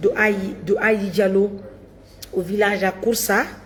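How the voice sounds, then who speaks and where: There is noticeable background noise behind a woman's medium-pitched voice. She speaks in a monotone, flat way. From Guinea (Pita). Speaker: journalist and NGO presenter. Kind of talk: live stream appeal. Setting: restaurant. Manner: soft-spoken.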